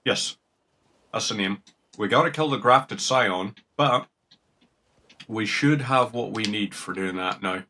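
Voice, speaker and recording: A man's voice: lowish voice, slow pace, pauses often, pushed and bright. A young man casually commentating on a game, jokey and rambling, swearing now and then. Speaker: gaming streamer. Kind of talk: casual commentary while playing.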